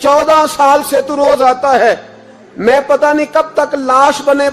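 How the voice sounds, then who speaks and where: A man's extremely high-pitched voice over noticeable background noise. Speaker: Islamic preacher giving a sermon. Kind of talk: emotional religious sermon (bayan) with storytelling. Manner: emotive, dramatic, passionate delivery.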